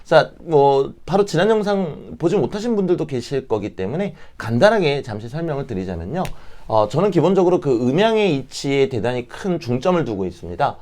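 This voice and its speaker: Slightly hoarse man explaining with varied intonation. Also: on the high side, very animated, brisk, hardly any pauses, darkish tone. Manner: polite, explanatory, addressing parents. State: slightly hoarse, throat catching. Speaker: fortune-telling advisor, channel host. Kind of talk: informal explanatory talk to camera.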